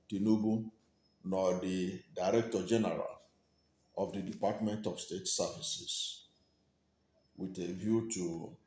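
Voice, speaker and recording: An echoey room surrounds a man with a low voice and a Nigerian accent. He delivers news commentary as if to the record, breaking sentences into short, weighted phrases. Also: a little mellow. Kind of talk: news commentary, reading out statements.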